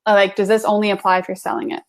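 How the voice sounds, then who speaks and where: A woman's voice: mid-range voice, big pitch swings, racing, vocal fry. A woman hosting a casual live video interview, chatty and full of fillers. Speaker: host.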